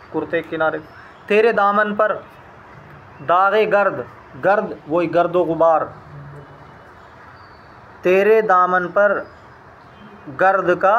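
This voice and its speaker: A man's voice: high voice, a bit bright, highs cut off, slight background noise. A man teaching a language lesson, saying each phrase, repeating it, and translating it word by word in a patient, methodical way.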